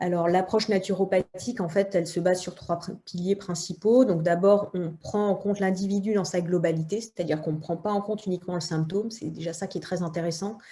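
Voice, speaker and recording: A woman talks at a fairly quick pace in a dark, mellow tone. Her voice is somewhat breathy. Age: 40s. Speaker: naturopath. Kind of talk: webinar presentation. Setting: online webinar. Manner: hesitant, many filler words.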